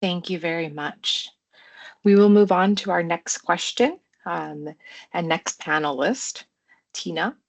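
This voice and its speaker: A woman's voice: on the low side, slow pace, vocal fry. A woman moderating a webinar, formally introducing a panelist and putting questions.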